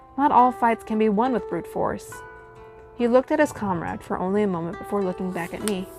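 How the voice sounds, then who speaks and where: Over music in the background, a woman speaks fairly quickly at a fairly high pitch with ordinary pitch variation. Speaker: self-published author.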